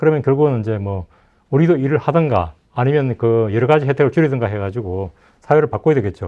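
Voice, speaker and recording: Talking at a very fast pace, a man speaks with lively intonation. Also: medium pitch for a man. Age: 60s. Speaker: diplomat. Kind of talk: lecture. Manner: halting.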